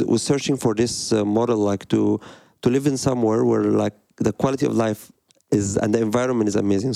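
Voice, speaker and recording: A man from Egypt in his thirties talks through interview answers with a gravelly, fry-edged voice and a dark, mellow tone. He speaks hesitantly, full of fillers and restarts, and the recording is dry and close. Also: lowish voice, no room sound. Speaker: guest, design studio director.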